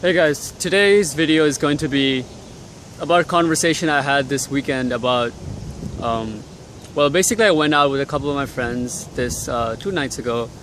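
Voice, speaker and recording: Outdoors on a cold city day, a young man from Bangladesh vlogs casual motivational advice, talking bluntly and swearing freely. His voice is medium-pitched at a moderate pace, and the background is noisy.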